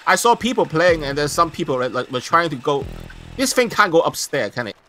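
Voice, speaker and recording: Lively-voiced man with a Hong Kong accent. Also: on the high side, a little hiss or hum. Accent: Hong Kong Chinese. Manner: halting, searching for English words. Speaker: guest gamer. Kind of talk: casual gaming chat.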